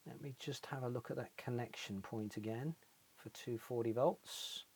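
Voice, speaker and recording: This middle-aged British electronics technician hosts a repair channel and talks casually through hands-on repairs, thinking aloud and frequently tagging on questions. He has a mid-range, darkish, husky voice at normal speed and works in a small, cluttered indoor workshop.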